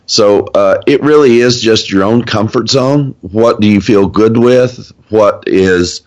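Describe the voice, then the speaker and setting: A man's voice: fairly low pitch, takes it slowly, darkish tone, no echo, muffled recording. A man hosting a podcast, answering a listener question in a loose, rambling way. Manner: rambling, many fillers and restarts. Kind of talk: casual chat.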